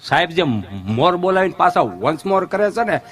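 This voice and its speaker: A man's voice: sits high, very animated, moderate pace, fairly bright tone. A man doing folksy stand-up storytelling in a Kathiawadi Gujarati accent, sing-song and full of dialect slang. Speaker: stand-up comedian.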